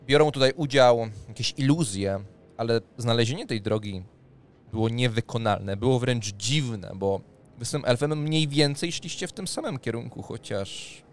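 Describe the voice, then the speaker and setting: A man's voice: mid-range voice, slight background noise. A man, narrating a tabletop fantasy game as game master on a close microphone. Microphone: close microphone on an arm, headset.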